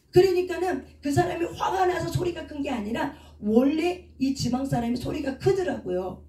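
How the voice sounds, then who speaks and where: Middle-aged woman, counselor and preacher, mellow tone, picked up from a distance in an echoey church hall. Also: high voice. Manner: asks rhetorical questions and answers them herself. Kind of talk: teaching sermon with questions to the congregation. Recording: echoey room, speaker away from the mic.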